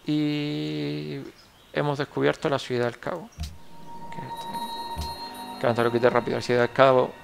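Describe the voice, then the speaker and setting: A man's voice: mid-range voice, flat delivery, unhurried, creaky, long pauses, music in the background. A young man with a Canarian Spanish accent, giving casual gameplay commentary as he plays, rambling and correcting himself as he thinks aloud. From Canary Islands, Spain. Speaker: gameplay tutorial host.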